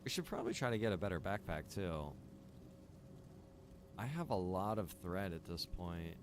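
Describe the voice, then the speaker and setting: A man livestreaming a survival roleplay game, chatting casually and informally as he thinks out loud. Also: sits low, lively intonation, normal speed, background noise. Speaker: game livestreamer and server developer.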